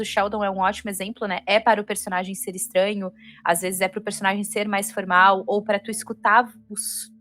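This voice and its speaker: A woman's voice: medium pitch, a bit bright. A Brazilian woman on a reaction panel, discussing things casually in a thoughtful, explanatory way.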